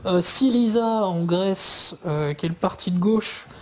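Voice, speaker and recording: A man talking through politics in a casual discussion, pausing often with fillers and restarts. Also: sits high. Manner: hesitant, many fillers and restarts. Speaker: guest commentator.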